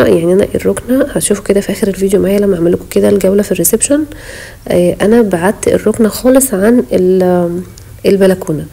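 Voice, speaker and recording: An Egyptian home vlogger chats breathlessly in a casual voice-over, speaking with an Egyptian Arabic accent, pious and talking straight to viewers. Her medium-pitched voice is mellow and gravelly, and the recording is rough.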